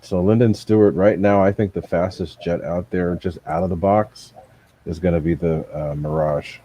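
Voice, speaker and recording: Low, husky man, casual co-host, thinks aloud with lots of ums. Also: fairly even intonation, normal speed, mellow. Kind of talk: casual chat.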